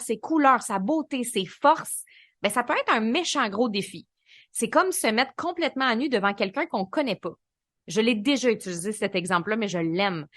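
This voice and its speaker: A woman with a Québécois French accent hosting a solo podcast, coaching in a lively, colloquial way. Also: a little high, dry recording, clean studio sound. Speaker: podcast host and business coach.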